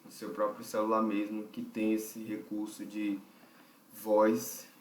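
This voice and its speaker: A lowish, monotone male voice with a slow delivery teaches a vocal technique lesson in a Brazilian Portuguese accent, with a little hiss or hum in the audio. He goes step by step, thinking out loud and repeatedly checking on the listener. The mic is distant and the room sounds spacious.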